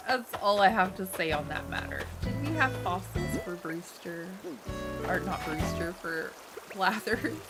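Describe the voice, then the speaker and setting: A woman chatting casually with her live-stream viewers as she plays, friendly and quick to laugh, her voice a little nasal from a cold. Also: lowish voice. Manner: chatty, friendly, thanks chat often, laughs a lot. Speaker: game streamer. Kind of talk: casual live-stream chat while playing. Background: loud game music.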